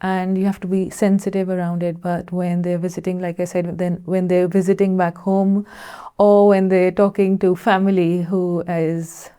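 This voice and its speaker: A woman born in Kenya and raised in Pakistan, speaking in a measured, reflective way in casual conversation. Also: on the low side, flat delivery, mellow, clean tone.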